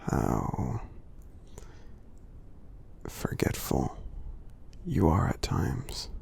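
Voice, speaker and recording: A man voicing a friendly, kindly giant in an ASMR roleplay, speaking softly and breathily with a gravelly edge, in a tender, halting, encouraging way. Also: low-pitched, full character voice. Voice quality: soft, breathy, half-whispered, gravelly. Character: gentle friendly male giant, kindly and reassuring.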